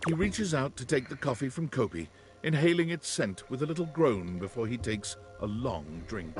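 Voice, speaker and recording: A man's voice: mid-range voice, sing-song, moderate pace. A man reading scripted second-person narration for a story game as its narrator. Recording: music behind the voice.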